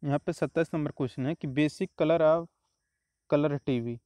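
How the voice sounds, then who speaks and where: A man walks through exam questions one by one, repeating each answer in a steady teaching manner. His voice is mellow and smooth, a little higher than most men's. The recording is close and dry. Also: moderate pace, no room sound. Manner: steady explanatory, repeats answers, frequent "तो देखिए" and "आपका". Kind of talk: explaining exam questions over slides.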